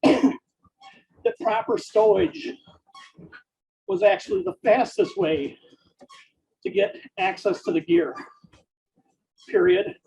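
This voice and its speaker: A person dictating story prose aloud in short, halting phrases and speaking each punctuation mark, with a husky, gravelly voice. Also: medium pitch, big pitch swings, dark tone, low-quality recording.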